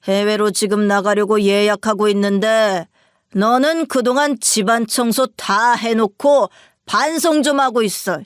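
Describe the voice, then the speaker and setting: A woman's voice: medium pitch, steady tone, unhurried, dry recording, studio quality, lightly acted. A woman voicing an arrogant, dismissive husband who talks down curtly and contemptuously. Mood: cold contempt. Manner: curt and contemptuous.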